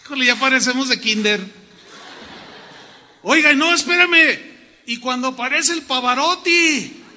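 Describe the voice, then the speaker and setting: Bright high Mexican preacher in a hall. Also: male voice, a little slow, pauses often. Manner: humorous, animated storytelling. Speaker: pastor. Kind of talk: sermon. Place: church hall.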